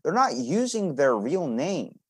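A man's voice: a little high, big pitch swings, measured pace, breathy edge. A man hosting a podcast, chatting casually and bluntly with loose, sweary, conversational delivery. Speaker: podcast host.

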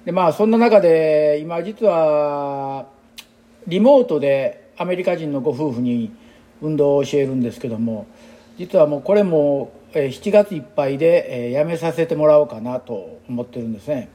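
A man's voice: a little high, animated, moderate pace, dark tone. Chatty Kansai man in his sixties. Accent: Kansai Japanese. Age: 60s. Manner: rambling, chatty and reflective. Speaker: exercise instructor. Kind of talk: casual spoken monologue.

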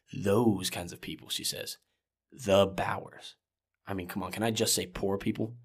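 A man's voice: mid-range voice, husky. An actor playing an earnest, frustrated teenage boy in a podcast drama, talking casually and with exasperation. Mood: exasperated.

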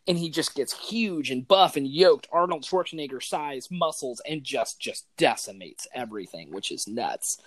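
Excitable man gushing in casual chat. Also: a little high, no echo. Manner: excitable and enthusiastic, heavy slang. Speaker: podcast host. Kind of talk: casual gaming podcast chat.

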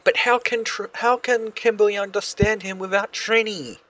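A man's voice: high voice, fairly even intonation, moderate pace, a bit bright. A man co-hosting a casual podcast chat, rambling, swearing freely and laughing often. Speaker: podcast co-host.

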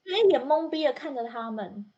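High-voiced woman with a Taiwanese accent. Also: animated, fairly quick, dark tone, husky, muffled recording. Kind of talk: casual group chat.

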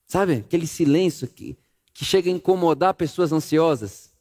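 High-voiced man preaching a dramatic sermon. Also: lively intonation, moderate pace. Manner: dramatic storytelling, acting out scenes with hushed and raised voice.

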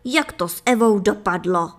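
A woman's voice: on the high side, lively intonation, close to an everyday voice. A woman voicing a scolding poor laborer husband. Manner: reproachful and scolding.

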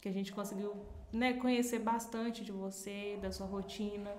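A woman with a Brazilian Portuguese accent from Minas Gerais, a podcast host chatting in a quick, casual way. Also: mid-range voice, fairly even intonation, darkish tone, slight background noise. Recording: echoey room.

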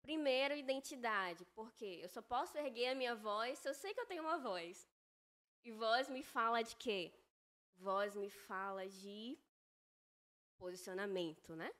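A woman speaking as a guest on a Christian podcast, earnest and reflective, measured in her phrasing. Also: on the high side, expressive, fairly bright tone. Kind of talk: faith-based podcast conversation.

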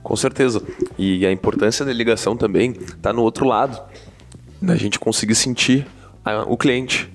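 A man's voice: on the low side, normal speed. A man talking earnestly as a guest on a podcast, checking in with the listener as he makes his points. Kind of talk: conversational podcast talk.

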